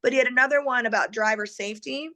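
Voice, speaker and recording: A chatty middle-aged woman with a bright, forceful voice, talking casually as an interview guest. She laughs often between thoughts and gets choked up as she remembers. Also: fairly high pitch, fast talker. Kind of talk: casual conversation.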